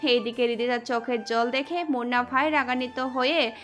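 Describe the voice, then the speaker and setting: A woman's voice: on the high side, steady tone, normal speed, fairly bright tone. A woman reading a scripted dramatic story as the narrator of an audio drama. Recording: music under the voice.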